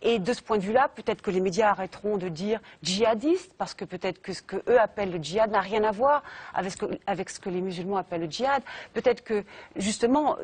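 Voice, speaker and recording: Breathy woman on a tv panel, asks long careful questions, lots of uhs. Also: mid-range voice. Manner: searching, hesitant questions with many fillers. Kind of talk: televised studio debate.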